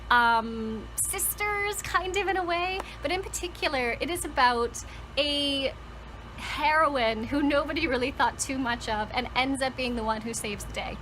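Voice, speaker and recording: Her voice is high-pitched, bright and pushed, and the low-quality recording carries a little hiss or hum. As a book vlogger and storytelling channel host, she speaks casually and enthusiastically to her audience, emphasizing words as she goes.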